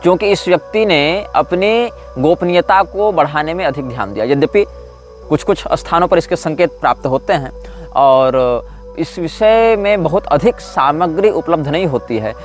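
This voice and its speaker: A man's voice: fairly high pitch, animated, moderate pace, soft background music. A man, a spiritual teacher giving a formal, explanatory religious discourse with emphatic rising stresses.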